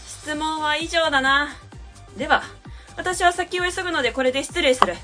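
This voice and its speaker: A woman's voice: sits high, normal speed, pushed and bright, faint music behind. A woman playing a pompous, domineering adviser in a radio drama, speaking in a lofty, commanding way. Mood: haughty. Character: haughty, domineering adviser of uncertain age. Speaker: adviser character. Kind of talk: amateur web radio drama acting.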